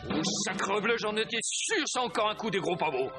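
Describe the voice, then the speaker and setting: A man's voice: high voice, lively intonation, brisk. Flustered old Santa played by a man for a 90s kids' toy tape: hammy amateur delivery, music underneath. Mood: flustered, indignant. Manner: stagy, exaggerated amateur acting with theatrical exclamations. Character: flustered, avuncular old Father Christmas in a children's toy video. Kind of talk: 1990s children's promotional video acting.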